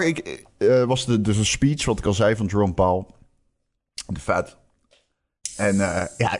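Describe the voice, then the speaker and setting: A podcast co-host chatting casually with a friend. He is a man whose pitch rises and falls a great deal, and he often restarts his sentences and laughs mid-story. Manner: animated, stumbling restarts, laughs while telling. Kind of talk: casual chat.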